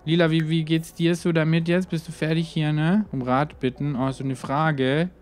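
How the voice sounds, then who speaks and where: A man's voice: on the high side, little pitch movement, normal speed, darkish tone, soft background music. Chatty man commenting on a life-sim game. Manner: chatty, rambling, talks to game characters; constant filler tags like "hier" and "ne". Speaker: let's player. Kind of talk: let's play commentary.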